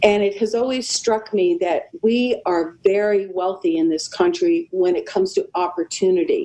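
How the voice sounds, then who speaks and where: The speaker has a plain, everyday voice. Intonation is lively, and the pace is moderate. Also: woman, medium pitch for a woman. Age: 60s. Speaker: nurse and health advocate. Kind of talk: interview.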